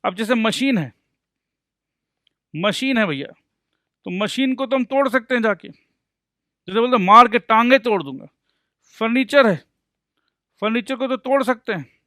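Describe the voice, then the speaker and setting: With a very high, slightly bright voice, normal speed and long pauses, a man delivers a playful recorded accountancy lecture. He mixes Hindi and English, explains through jokes, and replies to his own questions as if he were a student. It's studio quality, with no room sound.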